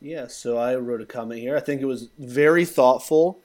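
A man's voice: mid-range voice, moderate pace, darkish tone. Man, podcast co-host, casual chat, earnest, explanatory.

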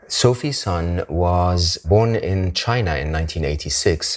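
Guy hosting an interview podcast, low voice, talks like intros and chat with a guest. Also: darkish tone. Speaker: podcast host. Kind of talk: scripted introduction, then conversational interview.

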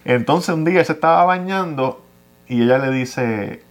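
A man with a Puerto Rican accent, a guest chatting casually outdoors in a park, telling animated stories, laughing often and swearing casually. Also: a little high, moderate pace. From Puerto Rico. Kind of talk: casual chat.

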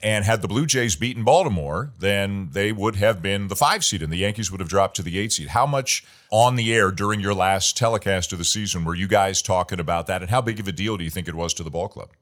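Low-voiced man hosting a sports interview. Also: a bit bright. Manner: measured, asks long detailed questions. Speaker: podcast host and baseball play-by-play announcer.

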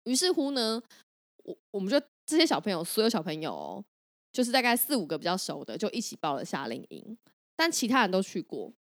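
Lively fast-talking Taiwanese woman. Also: mid-range voice. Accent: Taiwanese Mandarin. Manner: animated, laughing storyteller. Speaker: podcast co-host. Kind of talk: casual chat.

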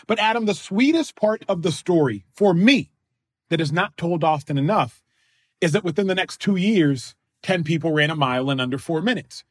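A man in his thirties speaks with energy and emphasis, dropping in slang as he makes his point. His voice sits a little high for a man. The sound is dry and close, with no room around it. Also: breathy edge, dry recording. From Nigerian family, raised in the US. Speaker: podcast guest, former football player. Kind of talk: casual interview talk.

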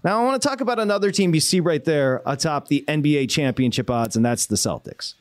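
A male sports-betting host on the radio, ranting with lots of energy and quick asides. His voice sits a touch high and jumps all over in pitch. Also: animated. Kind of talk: casual sports radio talk.

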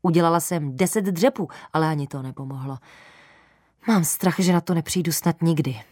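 A woman narrates a children's audio story in the first person, lively and expressive. Her voice is fairly low, close and dry, with no room around it. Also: no echo.

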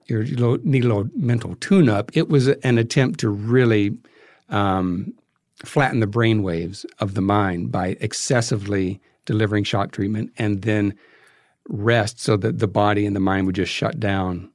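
A man with a fairly low voice talks through a subject as an interview guest. His phrasing is hesitant and thoughtful, and the sound is close and dry. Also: moderate pace, a little mellow, no room sound. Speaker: interview guest, filmmaker and podcast creator. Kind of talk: conversational explanation in an interview.

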